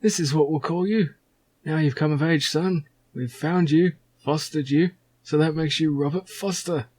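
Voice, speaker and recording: A man voicing a fearful, fatherly old tribal seer with slow, ominous, theatrical proclamations. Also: on the high side, a little mellow, voice pushed up, lightly acted. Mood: solemn.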